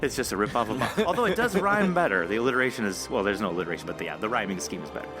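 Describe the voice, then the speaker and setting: Male podcast host, low-ish voice, lively and playful, music bed underneath. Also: rapid-fire. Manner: chatty, playful, upbeat. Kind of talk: casual podcast interview.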